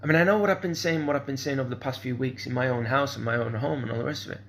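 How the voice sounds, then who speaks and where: Man, middle pitch, gravelly; hesitant rambling monologue with constant restarts. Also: racing, a little hiss or hum. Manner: hesitant, repeats "kind of sort of", restarts often.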